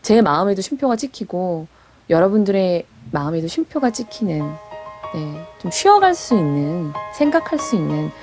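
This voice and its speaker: A woman who hosts a radio program reading fairy tales to adults, answering interview questions in a soft, reflective, unhurried way. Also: on the low side, big pitch swings, over music.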